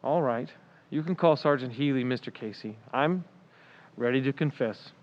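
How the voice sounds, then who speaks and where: A man's voice: mid-range voice, moderate pace, lo-fi sound, close to an everyday voice. A man playing an anxious, protective middle-aged father, hesitant and formal, in an old-time radio drama. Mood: guarded, resigned.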